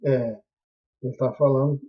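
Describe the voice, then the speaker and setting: A man's voice: medium pitch, steady tone, a little slow, breathy edge, muffled recording. A man with a Brazilian Portuguese accent, a teacher patiently explaining a lesson to his class and often checking that they follow. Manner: patient, checks in constantly with tag questions.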